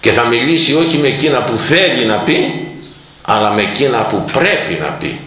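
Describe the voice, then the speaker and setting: A man preaching a sermon, telling stories with lively acted-out voices. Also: mid-range voice. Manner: lively storytelling, acting out quoted voices. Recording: very echoey room.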